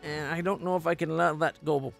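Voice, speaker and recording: A man with a somewhat high voice gives casual live commentary as a game streamer. He thinks aloud while he plays, with soft music in the background. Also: fairly even intonation, a little fast, gravelly.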